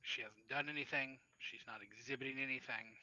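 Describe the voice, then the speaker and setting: A man narrating as storyteller of a tabletop role-playing game, with halting restarts. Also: medium pitch, fairly even intonation, bright, forceful tone, no echo, rough recording.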